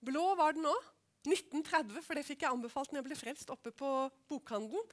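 A middle-aged woman with a high voice preaches a personal testimony. She tells it as a lively story and keeps checking that her listeners follow along. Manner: animated storytelling, asks listeners "skjønner du?". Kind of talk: testimony sermon.

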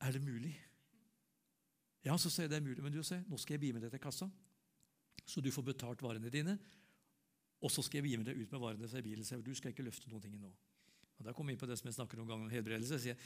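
An older man, preaching and telling a personal story, acting out the dialogue and dropping to a soft, low voice for quoted prayer.

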